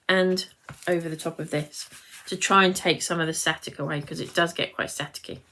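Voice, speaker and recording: Chatty British woman, lowish voice, noisy room. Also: steady tone, brisk, sharp tone. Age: late 40s, nearly fifty. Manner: chatty, rambling, breaks off to greet viewers. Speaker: craft tutorial host. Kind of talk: live craft demonstration with casual chat to viewers.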